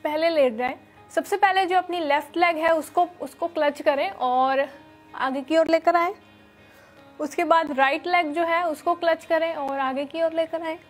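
Faint music sits under the lapel-mic recording of a young woman instructing a yoga session. She has a high voice and walks through each step calmly, often stopping on fillers. The studio has a red floor and dark curtains.

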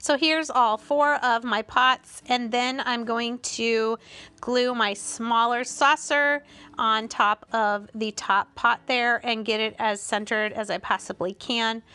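A middle-aged woman narrating a home craft tutorial in a voice-over, calm and explanatory with small chatty asides. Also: a little high, takes it slowly, clean tone, soft background music.

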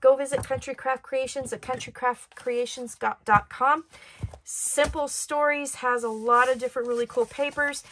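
Raspy woman, fairly high voice, chatty craft-tutorial host, faint noise behind. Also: fairly even intonation, moderate pace, a bit bright. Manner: chatty, rambling with many ums.

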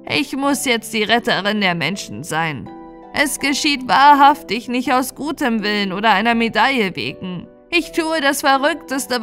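A woman's voice: high-pitched, fairly bright tone, voice pushed up. Old moor witch, female reader acting, talkative, lecturing, bossy, storybook, background music.

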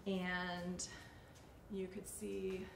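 Creaky-voiced woman chatting through a demonstration. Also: on the low side, monotone, very slow. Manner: chatty, informal. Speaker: salon owner and hairstylist teaching a class. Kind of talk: casual instructional talk during a demonstration. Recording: echoey studio room, faint ambient noise.

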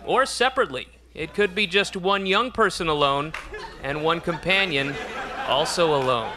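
An American actor playing a serious field reporter in a news parody, official, precise and deadpan. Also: male voice, a little high, moderate pace, crowd noise, noisy background, natural voice. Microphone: handheld microphone.

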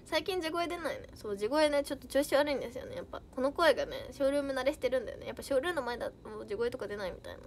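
A woman's voice: high voice, animated, rapid-fire, few pauses, a little hiss or hum. A young woman idol chatting casually on a livestream, reading out viewer comments with bubbly giggles.

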